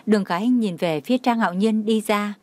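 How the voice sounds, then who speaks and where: A woman's voice: medium pitch, a little fast, warm tone, no room sound. Woman narrator with a dry close sound. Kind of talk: audiobook narration.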